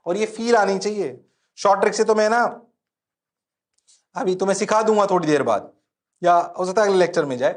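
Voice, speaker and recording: Man, physics lecture, high-pitched, playful, repeats questions. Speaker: physics teacher. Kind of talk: online exam-prep lecture.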